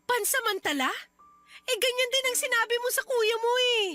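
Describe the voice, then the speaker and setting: A woman's voice: very high-pitched, moderate pace, bright, forceful tone, no room sound, faint music behind. A woman playing a young wife in a radio drama, heated and scolding. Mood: angry. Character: angry young wife, sharp and confrontational.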